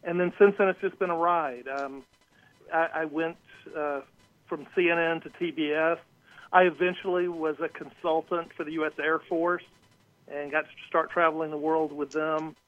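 A man from Georgia, a radio guest telling stories casually and pausing mid-sentence. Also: on the high side, steady tone. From Georgia, United States. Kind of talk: casual autobiographical storytelling. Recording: tinny phone line.

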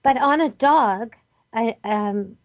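A woman's voice: a little high, slow, dry recording, highs cut off. A woman hosting a radio pet show, asking eager questions and stepping in to clarify points. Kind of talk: casual radio interview.

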